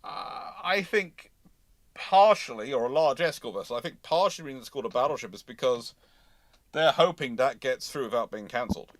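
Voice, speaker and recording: A man's voice: medium pitch, expressive, fairly quick, no room sound. A man hosting an informal live question-and-answer session, conversational and opinionated, repeating phrases for emphasis. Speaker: host of naval history live stream.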